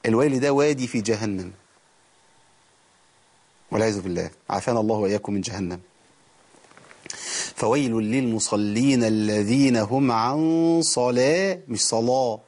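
A man with an Egyptian accent teaching Quran recitation on a TV programme, explaining rules in quick colloquial speech and reciting verses slowly. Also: medium pitch, darkish tone, husky. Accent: Egyptian Arabic. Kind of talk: TV recitation lesson.

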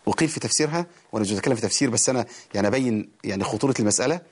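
Egyptian man, Quran recitation teacher, TV lesson, plain explaining, slow drawn-out recitation. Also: medium pitch, lively intonation, darkish tone, husky. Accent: Egyptian Arabic.

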